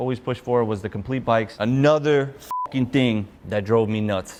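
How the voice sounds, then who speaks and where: A man talks at a fairly quick pace with a New York accent and ordinary pitch variation. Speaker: pro BMX rider and streamer. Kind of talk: livestream monologue. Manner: animated.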